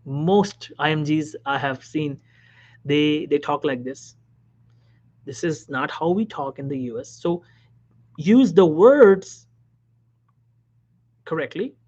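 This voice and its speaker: Emphatic man, slightly high voice, dull recording. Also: takes it slowly, long pauses. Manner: emphatic, repeats key phrases, drops suddenly to soft whispers. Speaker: physician giving career advice. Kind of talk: motivational talk.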